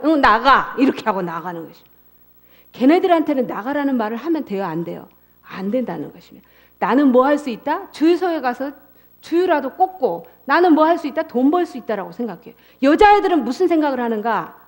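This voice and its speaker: Middle-aged woman preaching at a church seminar, high voice, bounces all over, keeps asking the crowd stuff. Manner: lively, asks the audience questions and acts out quoted voices. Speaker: seminar speaker. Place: church hall.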